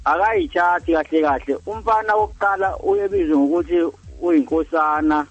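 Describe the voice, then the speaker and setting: A man's voice: fairly high pitch, normal speed, dry recording, soft background music. A man with a Zulu South African accent explaining his opinion as a radio phone-in caller, on a dull lo-fi line. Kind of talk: explanatory opinion-giving on air.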